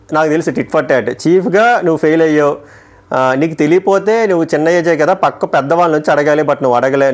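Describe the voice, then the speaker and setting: Male reviewer, quick emphatic delivery, slightly high voice, opinionated casual commentary. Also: darkish tone. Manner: emphatic, opinionated, quickly switching between points. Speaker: TV show reviewer.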